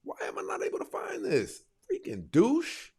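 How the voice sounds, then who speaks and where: Animated man lecturing his viewers. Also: extremely high pitch, normal speed, gravelly. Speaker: host of a dating advice stream. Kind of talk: casual live commentary.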